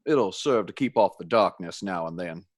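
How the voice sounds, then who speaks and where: Folksy Texan gentleman suitor, close-up. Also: deep voice, animated, normal speed, dry recording. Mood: folksy courting. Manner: folksy drawl with American slang. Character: jolly, gallant young Texan suitor, earnest and folksy. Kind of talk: radio play acting.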